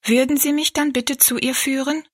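Young storybook heroine, earnest and courteous, pitched high, played by a woman. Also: fairly even intonation, normal speed, natural voice. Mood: polite, pleading. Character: earnest, polite young girl, eager and easily disappointed. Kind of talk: storybook narration.

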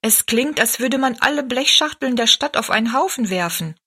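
A woman doing a high, earnest little girl. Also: animated, normal speed, bright, forceful tone, breathy edge, no echo, studio quality, full character voice. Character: eager young girl searching for an old friend.

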